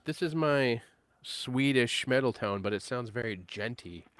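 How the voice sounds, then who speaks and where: A man's voice: mid-range voice, measured pace, music in the background. Easygoing man in his late thirties. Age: 30s. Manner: easygoing, laughing, trailing off. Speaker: host. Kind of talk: casual chat.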